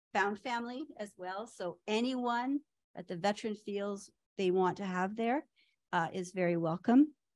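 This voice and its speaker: At a fairly slow pace, a woman with a medium pitch and ordinary pitch variation speaks with big swings in loudness, the sound dry and close with no echo against a quiet background. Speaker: government nursing official. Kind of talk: panel presentation.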